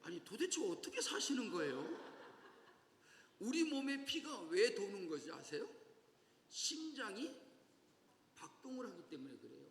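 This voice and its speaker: A male pastor giving a sermon in a church, lively and often asking the congregation questions. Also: sits high. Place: church sanctuary. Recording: echoey church hall reverb.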